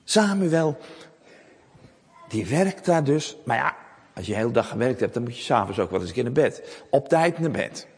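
A man telling a Bible story to children in a lively, animated way, often asking them questions. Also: mid-range voice, normal speed, long pauses, slightly rough, long reverb tail.

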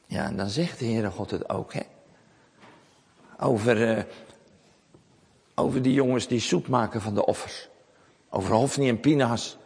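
Man telling kids a bible story, slow and bouncy, breathy voice, echoey room. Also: medium pitch. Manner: lively, animated, addresses children with questions.

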